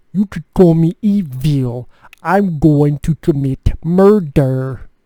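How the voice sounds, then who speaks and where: A woman puts on a character voice, very deep and low in pitch. She speaks at a very slow pace. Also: dry, close sound with no echo. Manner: menacing.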